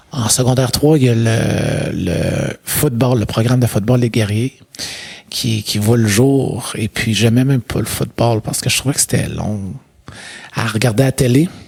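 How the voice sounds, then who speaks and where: Over noticeable background noise, a man with a medium pitch speaks in fairly even intonation. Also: fairly slow pace. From Quebec, Rivière-du-Loup (Bas-Saint-Laurent). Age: 30s. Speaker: podcast guest sharing his adoption story. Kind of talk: personal testimony in an interview. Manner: halting, with many fillers and repetitions.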